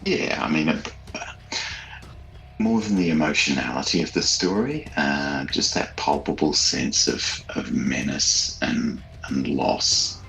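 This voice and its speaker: A man's voice: rumbling low, gravelly, fairly bright tone, rough recording. A man chatting casually and reflectively as an interview guest, an author with a hesitant, thoughtful, modest manner.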